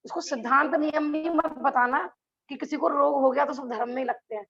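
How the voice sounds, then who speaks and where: A woman with a high, gravelly voice leads a religious class. She keeps turning to her listeners with rhetorical questions and laughs between her points. The recording sounds dull and lo-fi. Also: fairly even intonation, a little fast, a bit bright. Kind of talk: lecture to a class.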